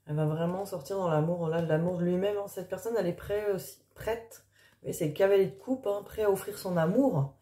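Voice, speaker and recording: A woman card reader talking casually in an early-morning voice, improvising and thinking aloud in a halting way with trailing pauses. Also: lowish voice, mellow. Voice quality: early-morning voice, which the speaker calls gruff. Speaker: tarot card reader and spiritual coach. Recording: echoey, reverberant room.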